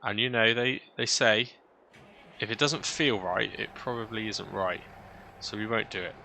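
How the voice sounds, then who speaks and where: Hosting a gaming video, a British man comments casually on his play, thinking aloud and often turning his own statements into tag questions. His fairly low voice is creaky yet bright and forceful, steady in tone and at normal speed, recorded amid a noisy, vehicle-like engine ambience.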